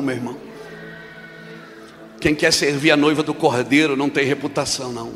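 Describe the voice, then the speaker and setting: A Brazilian pastor preaching a sermon, telling a story with animated acted-out dialogue and breaking into shouted exhortation. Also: male voice, fairly high pitch, slight background noise. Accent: Brazilian Portuguese. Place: large church hall. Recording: live church hall with reverb and faint music.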